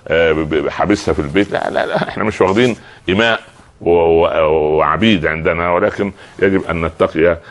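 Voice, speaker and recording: A man with an Egyptian accent hosting a religious call-in show, answering callers in a gentle, fatherly way. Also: sits low, a little fast. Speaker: host.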